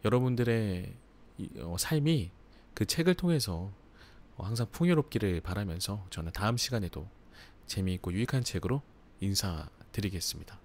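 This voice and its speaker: Fairly low in pitch but lively in intonation, this man speaks at a normal speed while hosting a live book review. He's a book channel host whose casual chatter is full of laughter and filler-heavy asides.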